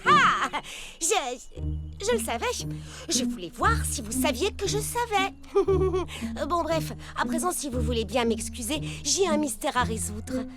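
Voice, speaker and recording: An actress voicing an excitable young woman who plays detective in a French cartoon dub, theatrical and full of dramatic exclamations. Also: high voice, a little slow. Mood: accusing. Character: Baba Hortensia, excitable young woman fancying herself a detective. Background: cartoon music.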